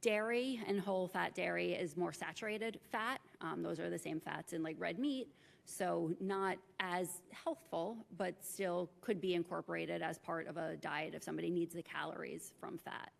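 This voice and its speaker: Very gravelly woman dietitian, echoey hall. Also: fairly low pitch, moderate pace. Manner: practical, explanatory. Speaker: dietitian speaker. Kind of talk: conference talk with audience Q&A. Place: large conference hall.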